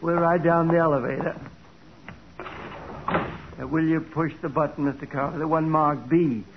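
An actor playing a kindly, humble old garage owner, folksy and earnest, in a 1940s radio drama. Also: male voice, a little high, fairly even intonation, moderate pace, close to an everyday voice. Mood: friendly, modest. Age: older. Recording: dull, noisy 1940s radio recording.

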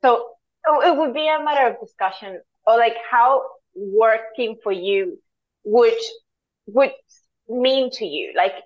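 A woman's voice: on the high side, animated, slow, muffled recording. A woman in her thirties from Venezuela, a dietitian guest on a podcast, explaining her approach earnestly at length with restarts. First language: Spanish. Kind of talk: podcast interview.

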